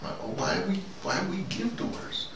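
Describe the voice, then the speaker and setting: An older American man giving a rambling, conversational monologue in a wry, musing, self-questioning manner. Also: moderate pace. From United States. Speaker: host. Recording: echoey room, noisy, distant mic.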